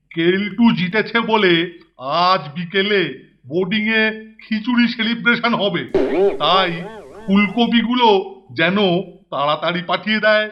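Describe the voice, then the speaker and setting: A man's voice: high-pitched, dull audio. A man voicing a pompous, doting middle-aged hostel superintendent in a comic cartoon, effusive and given to repeating himself. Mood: bossy. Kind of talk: exaggerated cartoon acting.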